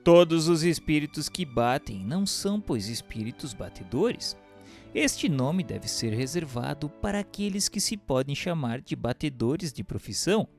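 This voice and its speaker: Solemn male reader over soft music. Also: on the high side. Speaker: narrator. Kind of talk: scripted reading of a spiritist book.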